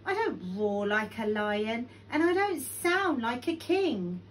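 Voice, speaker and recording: Timid storybook lion king, hesitant and nervous, lively rising pitch performed by a woman. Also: takes it slowly, slight background noise. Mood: dejected, timid. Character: timid, unsure lion king who cannot roar. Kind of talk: animal storybook narration.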